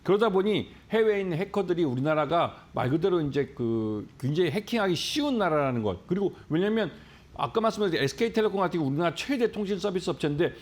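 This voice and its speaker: Male analyst guest, slightly raised pitch, earnest long explanations. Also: animated, fast talker. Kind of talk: explanatory commentary.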